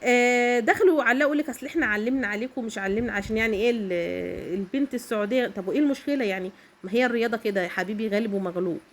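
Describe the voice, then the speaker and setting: Fast-talking Egyptian woman with a cold. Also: a little high. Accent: Egyptian Arabic. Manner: emphatic, keeps checking in with "okay?". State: has a cold, coughing. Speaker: vlogger. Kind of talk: casual direct-to-camera monologue.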